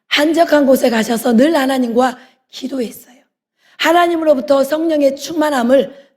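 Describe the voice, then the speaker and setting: A middle-aged woman, a pastor's wife, preaching a sermon in an earnest, exhorting way with slow, emphatic pauses. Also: sits high, warm tone.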